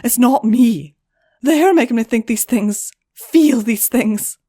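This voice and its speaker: A woman's voice: sits low, moderate pace, a little mellow, husky. A woman voicing a stubborn, bitter young female pony in a storybook reading. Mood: agitated.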